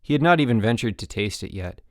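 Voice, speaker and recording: A man's voice: mid-range voice, animated, fast, no room sound, studio quality. A man reading an audiobook, narrating a story expressively.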